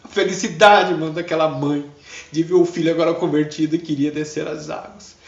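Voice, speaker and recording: A male pastor preaches a fervent, emotional testimony in a fairly high voice. He sounds far from the mic, his words ring through a roomy, echoing space, and the recording is dull and muffled. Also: fairly even intonation, a little fast, vocal fry. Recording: distant, echoey, dull.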